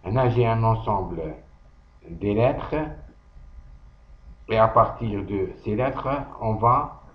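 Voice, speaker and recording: Enseignant masculin à l'algérien, débit très lent et posé, son lo-fi avec écho. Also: male voice, lowish voice. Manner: slow, deliberate, thinking aloud with pauses. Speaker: teacher. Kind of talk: slow worksheet walkthrough. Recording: echoey room, dull lo-fi audio.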